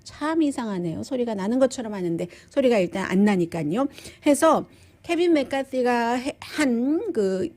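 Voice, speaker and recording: A woman's voice: a little high, lively intonation, moderate pace, darkish tone. A woman hosting live news commentary, explaining things in a conversational way with restatements and quoted asides.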